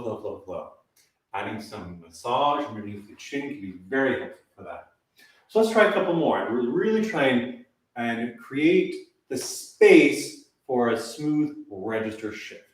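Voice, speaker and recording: A man leading a live online vocal warm-up, calmly coaching and demonstrating sighs and sung exercises. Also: medium pitch, recorded from a distance. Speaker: voice teacher. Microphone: camera mic at a distance. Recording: echoey room, voice off-mic.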